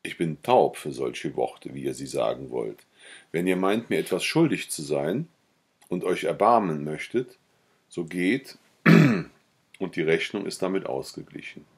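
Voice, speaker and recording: A man's voice: low-pitched, expressive, unhurried, slightly rough, exaggerated voice. A man voicing Fenice, a proud and stern young woman, in firm, dismissive lines of a read-aloud novella.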